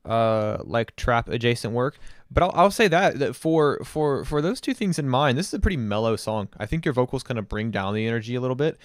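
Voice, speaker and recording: A man talking through a casual music review on stream, mid-pitched and rambling, full of fillers and restarts. His voice is smooth and clear, recorded close and dry with no room sound. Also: no room sound.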